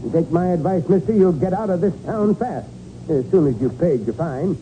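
Male actor's righteous small-town cop, American, high voice, scornful folksy bluntness, 1940s radio play, hissy background. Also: lively intonation, moderate pace, mellow, lightly acted. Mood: scornful scolding. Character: gruff, righteous small-town police chief, scolding. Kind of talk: 1940s radio crime drama acting. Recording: tinny, noisy 1940s radio recording.

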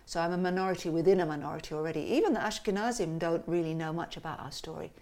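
A woman telling family and cultural stories as an interview guest in a lively, animated way. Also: lowish voice, rapid-fire. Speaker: interview guest, musician and cartoonist. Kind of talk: casual conversational interview.

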